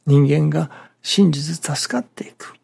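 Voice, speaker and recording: A minister giving a morning sermon in a halting, measured way, breaking phrases with pauses and dropping some words to a near-whisper. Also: mid-range voice, level tone, creaky, darkish tone, slightly rough.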